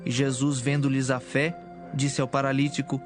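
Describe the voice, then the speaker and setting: A man's voice: medium pitch, little pitch movement, normal speed, over music. A man narrating a dramatized audio Bible in a solemn, formal storytelling style.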